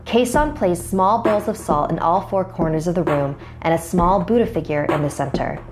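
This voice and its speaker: A young woman telling a scary first-person story in a measured, suspenseful way, narrating over a music bed. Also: fairly low pitch.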